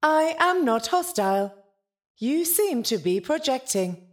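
Prim, pedantic ship's intelligence, higher-pitched. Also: female voice, big pitch swings, measured pace. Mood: primly indignant. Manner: formal, pedantic, dryly polite. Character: prim, evasive, literal-minded ship's intelligence named Al. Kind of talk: scripted science-fiction audio drama acting.

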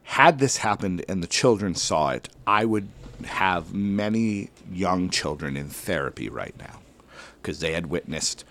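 Deep-voiced man telling a lively story. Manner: animated, with sudden loud bursts and slow dramatic drops. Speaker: elementary school teacher. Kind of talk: personal story told to an audience.

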